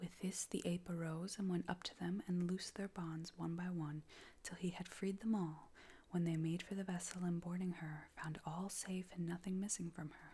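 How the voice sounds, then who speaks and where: At a moderate pace, the speaker talks in a soft-spoken way. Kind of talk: ASMR book reading. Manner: soft-spoken, relaxing.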